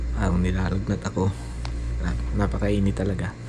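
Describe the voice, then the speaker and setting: At a fairly quick pace, this man talks while noticeable background noise fills the recording. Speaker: vlogger. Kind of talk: casual vlog chat. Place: kitchen. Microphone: phone near.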